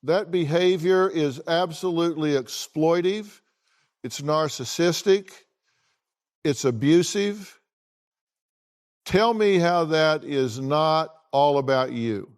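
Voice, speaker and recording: A man hosts a talk show debate and puts firm, accusing questions to his guests. His voice is smooth and resonant. It sits a little high for a man. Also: slow pace. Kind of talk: moderating a panel debate.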